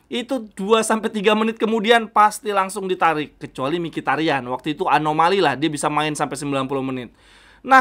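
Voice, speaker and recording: A woman's voice: medium pitch, a bit bright. A woman with a Jakarta Indonesian accent hosts casual football news commentary, chatting informally and often addressing her viewers directly. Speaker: host of a football news channel.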